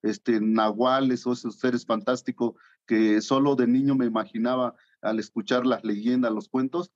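A man's voice: mid-range voice, fairly even intonation, normal speed, a little mellow, muffled recording. A man in his thirties from Oaxaca, answering interview questions in a hesitant way, with many fillers, over a video call from his studio. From Oaxaca, Mexico. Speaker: guest artist. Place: home art studio.

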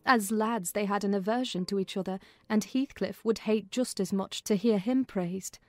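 Sensible housekeeper from a classic novel, read by a woman; frank, admonishing, mellow tone, faint music. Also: medium pitch, normal speed, dry recording, close to an everyday voice. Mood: scolding. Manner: admonishing, firm. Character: sensible, frank female housekeeper advising her mistress. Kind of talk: dramatized audiobook reading of a classic novel.

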